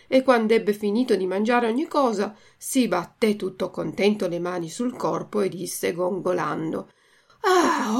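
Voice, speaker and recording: A woman's voice: medium pitch, gravelly, darkish tone, husky. A woman reading a story aloud expressively, then reading out a vocabulary list as a teacher. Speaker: reader and language teacher.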